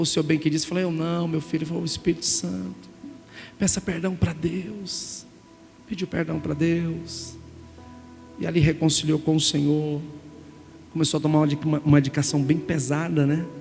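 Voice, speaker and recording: A middle-aged Brazilian man preaching a sermon, telling an emotional story in an animated way. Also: a little high, vocal fry. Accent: Brazilian Portuguese. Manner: emotional storytelling, animated, calls listeners "gente". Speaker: pastor. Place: church sanctuary. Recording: reverberant church hall with music.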